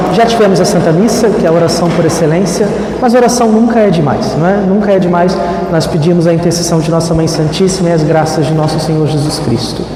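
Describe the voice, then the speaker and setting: A soft-spoken man talks at a very fast pace and a high pitch, his loudness very even. Audible room echo and noticeable background noise come through. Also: ordinary pitch variation. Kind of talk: lecture.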